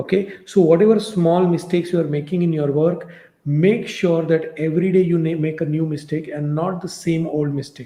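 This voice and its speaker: Fairly even in intonation, a man with an Indian accent speaks at a high pitch. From India, Pune. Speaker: software engineer, career YouTuber. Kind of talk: advice talk to camera. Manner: slow, deliberate.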